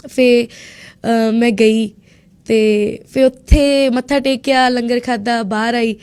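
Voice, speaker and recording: High-voiced young woman telling her story. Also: slow pace, smooth. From India. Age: young adult. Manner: lively storyteller who acts out quoted speech. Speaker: radio guest, international student. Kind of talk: casual storytelling interview.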